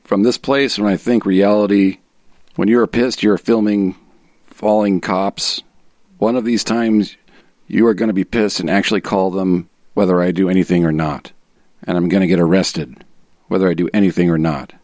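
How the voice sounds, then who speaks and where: A man's voice: deep voice, fairly even intonation, moderate pace, a little mellow, dry recording, clean studio sound, close to an everyday voice. A man reading as an aggrieved husband in his normal voice, as a guest on a podcast. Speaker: guest reader.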